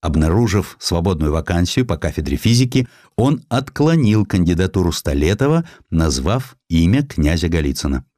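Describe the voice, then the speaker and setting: A man reading a historical essay as an audiobook narrator, in an expressive, scripted literary style. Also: low voice, moderate pace, few pauses, no echo.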